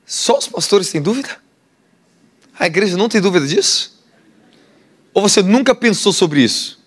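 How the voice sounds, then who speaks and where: A man with a Brazilian Portuguese accent preaching a sermon, animated and laughing, putting questions to the congregation. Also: high-pitched, normal speed, slightly rough. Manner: animated, asks the crowd questions, laughs often. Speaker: apostle preacher. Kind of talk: sermon teaching.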